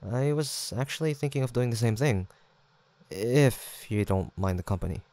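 In a casual, intimate roleplay audio drama, a young voice actor portrays an affectionate, teasing, laid-back student roommate through hesitant banter, with a gentle, shyly caring mood. His medium-pitched voice is mellow and moderately paced, with lively intonation and no room sound, close to an everyday voice.

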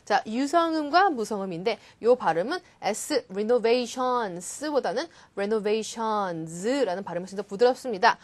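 A young adult woman who is a native Korean speaker, teaching an exam-prep English lesson, coaxing students and drilling English lines slowly for them to repeat. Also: on the high side, lively intonation. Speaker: English speaking test instructor.

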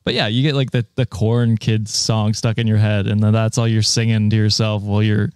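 A man's voice: fairly low pitch, level tone, a little fast, a little mellow, clean tone, no echo, clean studio sound. A man co-hosting a podcast, chatting casually, rambling, laughing often and swearing. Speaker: podcast co-host. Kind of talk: casual chat reacting to a post.

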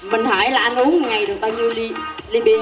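A woman's voice: on the high side, steady tone, fast talker. A young woman with a southern Vietnamese accent hosts a live game show, joking and teasing with the people on stage. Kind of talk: live game show hosting with playful banter. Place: outdoor evening banquet stage. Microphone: handheld microphone. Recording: loud music, live PA at outdoor event.

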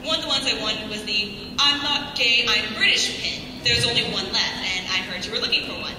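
A woman's voice: a little high, a little fast. A young woman chatting casually as an audience questioner on a hall microphone, recorded from far off. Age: young adult. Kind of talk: casual chat. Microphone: handheld audience mic. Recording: very echoey hall, far off, crowd noise.

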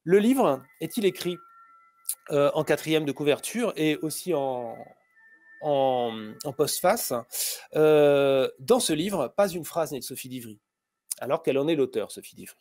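A man in his fifties interviewing an author over a video call, halting often with filler sounds and restarting his sentences. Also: a little high, a little mellow, faint music behind. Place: room with posters behind. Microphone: webcam on a video call.

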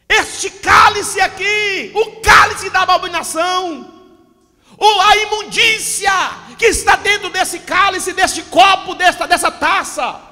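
Fervent shouting preacher man in his forties. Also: very high voice. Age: 40s. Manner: fervent, often shouting and gesturing with a handheld mic. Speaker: pastor. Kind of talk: impassioned Pentecostal sermon. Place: church hall with a stage backdrop. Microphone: handheld microphone. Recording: long hall reverb.

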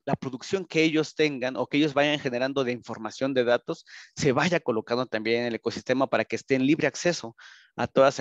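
Male presenter, Mexican accent, mid-pitched voice, halting academic delivery over dull video-call audio. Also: no room sound. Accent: Mexican Spanish. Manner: halting, frequent tag questions. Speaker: researcher presenting at a conference. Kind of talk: conference presentation. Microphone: video call, computer microphone.

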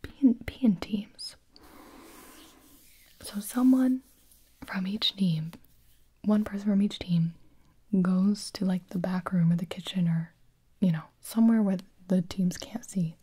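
A woman in her twenties, an ASMR creator, whispers breathily and playfully as she explains party games. Her voice is mid-range with a dark tone, a little slow, and marked by long pauses.

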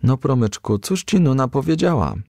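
A man voicing an ailing, tender firefly mother who gently insists, in a storybook. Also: medium pitch, expressive, moderate pace, no room sound, studio quality, voice pushed up, close to an everyday voice. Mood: gently urging.

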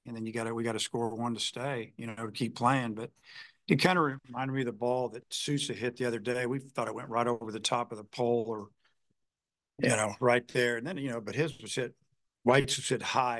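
Man, head coach, postgame press conference, rambling answers, filler-heavy, dry close sound, mid-pitched voice. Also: a bit bright, no echo. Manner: rambling, heavy on "you know" fillers and restarts.

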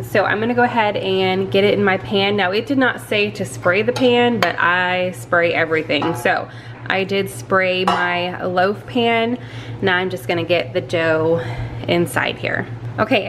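Over a noisy background, a woman with a fairly low-pitched voice walks through making bread in her home kitchen. She's a vlogger, chatty and somewhat self-deprecating, keeping the cooking walkthrough casual.

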